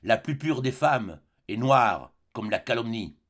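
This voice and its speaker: A man's voice: mid-range voice, animated, unhurried, fairly bright tone. Man reading as an earnest loyal maid. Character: loyal earnest female servant. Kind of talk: audiobook play reading.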